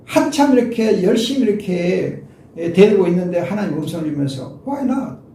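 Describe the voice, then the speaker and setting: Older male pastor, high mellow voice, emphatic expository preaching, echoey room, set back from the mic. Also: lively intonation, fairly quick, recorded from a distance, slight background noise. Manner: emphatic preaching, addresses listeners directly. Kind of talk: expository sermon.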